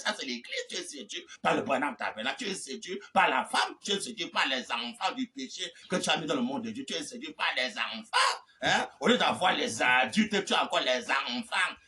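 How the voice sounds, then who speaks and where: High, lively shouting preacher man. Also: distant mic. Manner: shouting, repeating "eh ben" and "amen". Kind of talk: fervent sermon.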